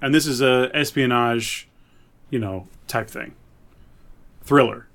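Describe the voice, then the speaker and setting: A man co-hosting a podcast in casual conversation, hedging and softening his opinions as he goes. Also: mid-range voice, takes it slowly. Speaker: podcast co-host. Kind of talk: casual chat reviewing superhero TV.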